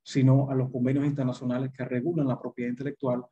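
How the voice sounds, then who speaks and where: A middle-aged man giving a measured, formal webinar presentation over a video call. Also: medium pitch, little pitch movement, warm tone, husky. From Dominican Republic. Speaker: guest lecturer, lawyer. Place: indoor room on a video call. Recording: dull video-call audio.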